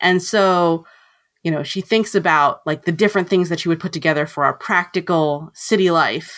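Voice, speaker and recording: A woman with an American accent and a normal speaking voice, fairly low in pitch, with fairly even intonation, on a very clean recording with a silent background. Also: moderate pace. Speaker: author. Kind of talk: casual discussion.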